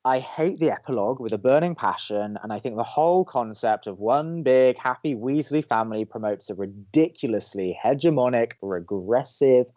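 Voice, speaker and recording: A man's voice: lowish voice, dark tone, lightly acted. Guy acting wry college radio cohost, young, awkward and exasperated, slightly dull sound. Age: young adult. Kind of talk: audio drama, bantering radio show.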